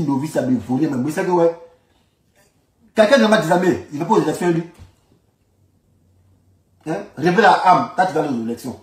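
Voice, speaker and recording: In an echoey room, set back from the microphone, a man with a fairly high pitch and darkish tone talks politics informally. His accent is Ivorian, his language colloquial, and he repeats phrases to stress them.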